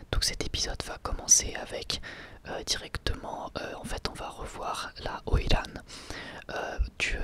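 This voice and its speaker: A man whispering softly and breathily in an unscripted ASMR review, halting and correcting himself as he goes. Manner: hesitant, halting phrasing with frequent self-corrections. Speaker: ASMR video host reviewing anime.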